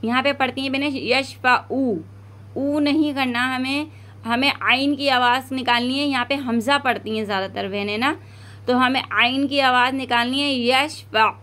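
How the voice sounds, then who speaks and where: Teaching Quran recitation one step at a time, a woman stretches out each word slowly to demonstrate it and then explains at a quick pace. She has a South Asian Urdu accent and a high-pitched, steady, fairly bright voice.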